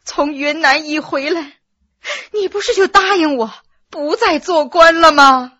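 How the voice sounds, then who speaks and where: A woman's voice: measured pace, pushed and bright. A woman voicing an official's grief-stricken wife who wails and sobs in a storytelling performance. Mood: wailing. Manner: sobbing, shrill wailing.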